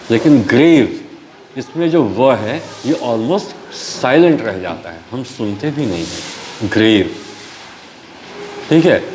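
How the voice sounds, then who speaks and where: Slow, lively teacher, man. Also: mid-range voice, slight background noise, low-quality recording. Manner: slow explaining, mixing Hindi and English, frequent "ठीक है". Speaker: school English teacher. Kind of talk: online class lecture.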